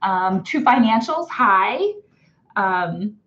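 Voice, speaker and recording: A woman's voice: mid-range voice, animated, drawn-out words, a bit bright. A young adult woman co-hosting a casual live-stream chat, upbeat and greeting viewers by name. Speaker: vlog co-host. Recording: roomy, slightly dull live-stream audio.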